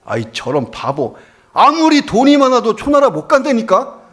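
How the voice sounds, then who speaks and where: A man's voice: on the high side, very animated, a little fast. A man voicing a local who keeps insisting on directions to a traveler, with a raised, insistent delivery, told as a story in a sermon. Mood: exasperated. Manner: insistent, increasingly exasperated.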